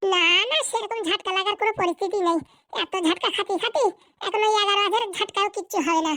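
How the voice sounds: A woman speaks at a fairly quick pace in a cartoonish character voice with an extremely high pitch, her loudness very even and the sound dry and close with no echo.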